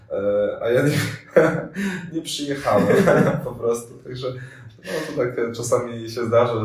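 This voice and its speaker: A man's voice: on the low side, a little mellow. A man in his thirties, a volunteer coordinator answering interview questions, hesitant with many fillers and restarts. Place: room with armchairs and radiator, indoors. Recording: echoey room, mic at a distance.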